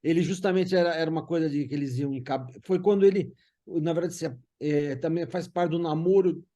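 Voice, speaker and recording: Mellow, higher-pitched São man. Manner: halting, frequent checking tags. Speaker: guest recalling family history. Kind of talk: casual reminiscing conversation.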